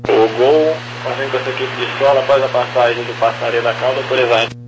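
A Brazilian man with a medium-pitched voice gives clipped air traffic instructions. The radio transmission has a clear hum and noise throughout. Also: flat delivery, fast talker. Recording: humming, noisy aviation radio.

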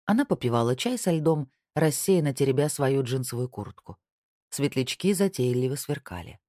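An audiobook narrator reading a novel in an even, unhurried storytelling manner. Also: medium pitch, dry recording, clean studio sound. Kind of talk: scripted narration.

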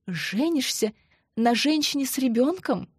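A woman's voice: high-pitched, lively intonation, unhurried, breathy edge, no echo, pitched above the performer's own voice, heavily acted. A woman voicing an elderly mother who is anxious, plaintive and close to tears. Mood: bewildered. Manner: plaintive, pleading.

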